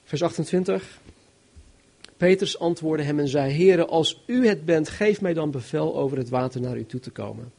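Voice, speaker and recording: A man preaching a sermon, reading Bible verses and explaining them in an animated, emphatic way, swinging between loud and soft. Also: a little high, moderate pace, creaky. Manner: animated, emphatic, varies loudness widely.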